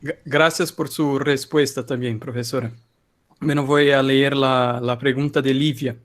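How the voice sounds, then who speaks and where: A man, a student moderator, politely reading out a question, slightly halting. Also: medium pitch, steady tone.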